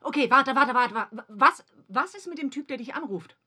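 A strict yet pleading mother with a breathy, somewhat high voice. She talks insistently and often repeats herself. This is scene acting from a film drama. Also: lively intonation, moderate pace, pushed and bright, heavily acted. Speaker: mother of the family.

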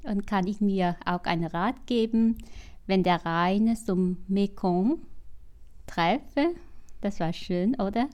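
A woman in her sixties with a Vietnamese accent speaks German as a second language. She talks at an unhurried, deliberate pace and tells her story in halting phrases with many restarts. Her voice sits in a middle register. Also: mid-range voice, darkish tone. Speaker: interviewee. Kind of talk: recounting her life story.

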